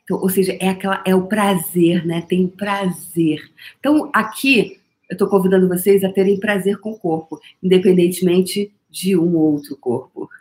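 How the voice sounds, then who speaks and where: A woman from Brazil hosts a live stream workshop in an animated, playful voice. She laughs often and drifts into repeated, chant-like phrases between loose, chatty stretches. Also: on the low side, moderate pace. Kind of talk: casual spiritual coaching live stream.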